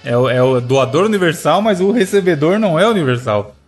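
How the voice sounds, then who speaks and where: A man's voice: a little high, lively intonation, fairly quick, husky, soft background music. A man hosting a casual podcast chat, joking and telling a story. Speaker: podcast host.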